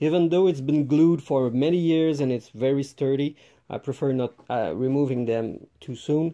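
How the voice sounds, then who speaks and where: With a dark, mellow tone, a man talks at a moderate pace, his fairly high pitch showing ordinary variation. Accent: French. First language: French. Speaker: pinball restorer. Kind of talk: tutorial. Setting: workshop. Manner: halting.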